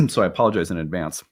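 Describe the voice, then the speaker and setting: Male host, 30s, low pitch, slightly froggy from a cold, casual rambling delivery with fillers. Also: creaky, breathy edge. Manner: relaxed, rambling, with many fillers and restarts. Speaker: astrology teacher and channel host. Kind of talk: casual solo talk to camera.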